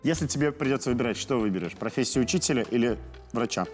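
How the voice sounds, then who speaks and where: A male host of a children's quiz show speaks in a medium-pitched voice. He is chatty and encouraging, keeping a conversational tone. Music plays softly behind him. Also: lively intonation, fast. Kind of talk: conversational hosting.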